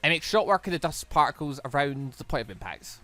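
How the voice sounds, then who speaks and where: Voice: mid-range voice, sing-song, fast, a bit bright, soft background music. A person doing a casual let's-play, reading a visual novel aloud and often stumbling and rereading phrases. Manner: stumbles over read lines and repeats them.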